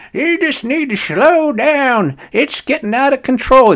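A man does a put-on character voice at an extremely high pitch. He speaks at a fairly slow pace. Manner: grumbling, scolding.

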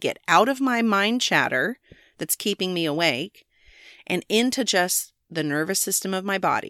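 On a very clean recording with a silent background and a dry, close sound with no echo, a woman with an ordinary speaking voice and a medium pitch speaks with lively intonation. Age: 40s. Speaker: podcast host and teacher life coach. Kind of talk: solo podcast monologue. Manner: conversational, casual with laughs.

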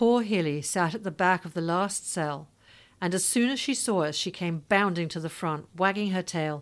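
What comes through is a natural reading voice.

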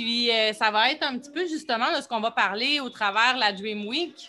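The tone is bright and sharp, in a Quebec accent. Pitch varies in an ordinary way. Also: woman. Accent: Québécois French. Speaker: personal development coach. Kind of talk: casual chat. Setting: outdoors on a terrace.

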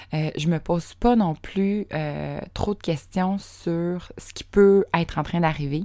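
Speaking very slowly in a Quebec accent, a woman has a dark, mellow tone and a fairly low pitch with ordinary pitch variation. She leaves hardly any pauses, and her loudness swings widely. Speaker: nutrition coach and podcast host. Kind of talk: casual solo monologue. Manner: hesitant, many fillers.

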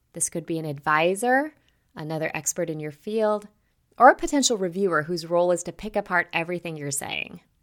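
Delivered at a fairly quick pace with lively intonation, this is an ordinary speaking voice on a very clean recording with a silent background. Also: woman, fairly low pitch for a woman. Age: 40s. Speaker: book coach and podcast host. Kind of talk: solo podcast monologue on writing.

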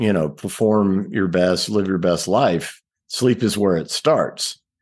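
With an American accent and an unremarkable speaking voice, a man talks at a fairly slow pace and fairly low pitch against a quiet background. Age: 50s. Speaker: digital entrepreneur and writer. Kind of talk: interview.

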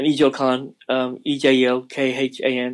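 A man's fairly high-pitched voice with a south-east English accent. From England, Luton in Bedfordshire. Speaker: LGBT activist and network coordinator. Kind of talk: interview. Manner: halting, many fillers.

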